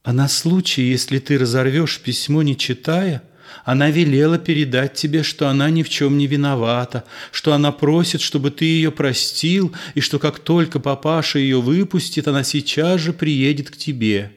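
An eager young woman in an audiobook play, voiced by a male reader. She speaks high and earnest, affectionate and pleading. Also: moderate pace, close to an everyday voice.

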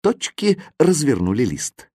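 Lively man narrating a storybook. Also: medium pitch, a little slow, slightly rough, no room sound. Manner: lively first-person telling, voicing a boy. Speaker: audiobook narrator.

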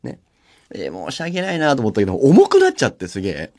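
Chatty male radio host, very lively pitch. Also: quick pace. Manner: chatty, laughing, storytelling with lively swings. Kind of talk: casual solo radio chat. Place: radio studio. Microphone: studio mic.

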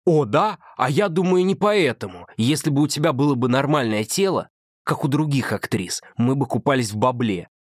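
A man voicing an angry, bullying young man who yells crude insults. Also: medium pitch, expressive, normal speed, no room sound, studio quality, voice pushed up, natural voice. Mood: contemptuous. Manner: yelling, crude, contemptuous.

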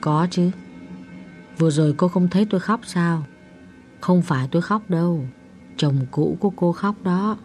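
A man doing an older woman psychic in a storybook reading, her voice lifted well above a man's usual register. She speaks gently and steadily but keeps pressing, solemn and patient. Faint music sits underneath. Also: sits high, normal speed, pauses often, voice pushed up. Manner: gentle, coaxing, insistent. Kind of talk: audiobook character voice.

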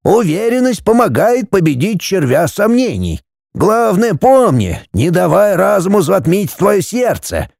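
A man voicing a calm, sorrowful old man with a grey beard who speaks in slow, measured, prophetic phrases. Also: sits high, vocal fry, dry recording, studio quality, voice pushed up, heavily acted. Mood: calm mystical.

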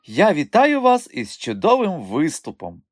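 Man doing seductive circus madam, high lilting voice, flirty, coaxing, dry close sound. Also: wildly swooping pitch, measured pace, no echo, exaggerated voice. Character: seductive middle-aged female circus owner.

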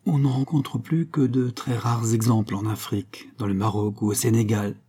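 A man voicing a scheming young gypsy woman in a novel reading, speaking in a low, hushed, mocking way. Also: fairly even intonation, moderate pace, natural voice.

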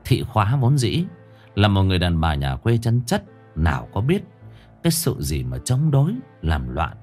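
A man narrating a folk ghost story in a dramatic, expressive way. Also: low voice, normal speed, soft background music.

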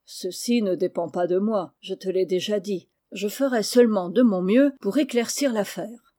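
A woman reading the part of a kindly male judge who speaks calmly and reassuringly in a storybook. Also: medium pitch, normal speed, lightly acted. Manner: calm, reassuring.

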